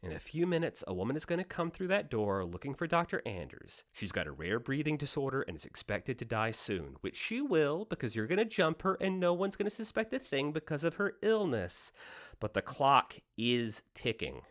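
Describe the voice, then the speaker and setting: A man's voice: mid-range voice, sing-song, normal speed, a bit bright. Man playing a sly, theatrical devilish deal maker. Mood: coolly scheming. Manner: persuasive, sardonic, mock-folksy speechifying. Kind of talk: radio play acting.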